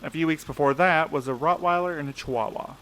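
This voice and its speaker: A man's voice: on the high side, fast talker, fairly bright tone, a little hiss or hum, close to an everyday voice, rough recording. A man acting in an audio drama as a jaded, laid-back night courier with a casual, sarcastic way of talking. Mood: grumbling, wry. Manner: casual, wry. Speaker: voice actor in a fiction podcast.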